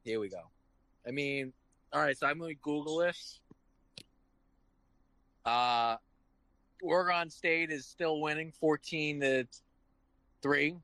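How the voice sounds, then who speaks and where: A man's voice: fairly high pitch, takes it slowly, long pauses, pushed and bright, no room sound, poor audio. A man co-hosting a casual chat show, rambling and swearing, often restarting his sentences. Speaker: podcast co-host.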